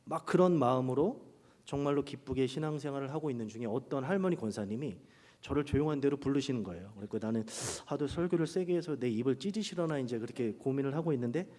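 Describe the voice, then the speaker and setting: A man preaching a sermon to his congregation, telling personal stories with humor and lively animation. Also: mid-range voice, fast. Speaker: pastor. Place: church sanctuary during a worship service. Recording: long reverb of a large hall.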